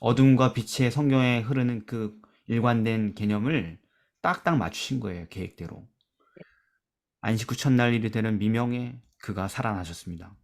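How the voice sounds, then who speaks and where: A man leading a church Bible study discussion, asking questions and reading verses aloud, trailing off softly at the ends of phrases. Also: normal speed. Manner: asks questions and drops to a soft low voice at phrase ends; reads scripture aloud with emphasis.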